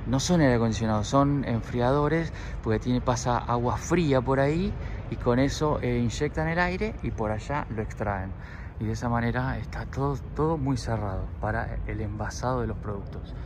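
Noticeable background noise behind a man's moderate pace. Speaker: travel vlogger. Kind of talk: casual vlog chat. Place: factory. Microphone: phone near.

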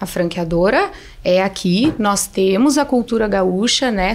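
Her pace fairly slow, a woman talks with lively intonation. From Rio Grande do Sul, Brazil (Bagé); Rio Grande do Sul, Brazil. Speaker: fashion business owner; podcast guest. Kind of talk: interview; interview answer. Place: studio. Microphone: studio mic.

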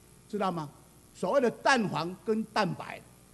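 Pitched high, a man talks at a fairly slow pace, his voice making very wide pitch swings. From Taiwan. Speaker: city councillor. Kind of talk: council interpellation. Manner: halting. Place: hall.

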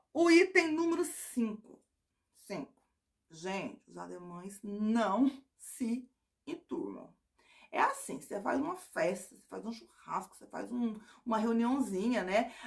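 A woman speaks very slowly in a fairly high, somewhat breathy voice, with very wide pitch swings. Her long, frequent pauses sit against a quiet background. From Brazil, interior of Paraná. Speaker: vlogger. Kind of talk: casual vlog monologue. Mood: complaining, animated. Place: home room.

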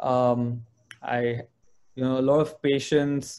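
Against a quiet background, a man talks at a very slow pace with a monotone, flat intonation. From India (Gujarat). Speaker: documentary filmmaker. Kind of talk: interview. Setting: video call. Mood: calm, reflective. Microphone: video call.

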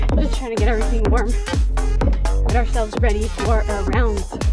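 A woman speaks at a moderate pace over loud music in the background. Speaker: fitness instructor. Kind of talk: workout instruction. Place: waterside.

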